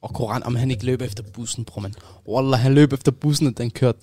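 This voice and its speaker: A young man in casual chat, relaxed as he recalls stories about friends. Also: mid-range voice, no echo, studio quality.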